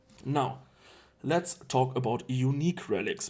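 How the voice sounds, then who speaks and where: Vocal fry marks the medium-pitched voice of this man. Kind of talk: gaming guide talk to camera. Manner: casual, hesitant with fillers.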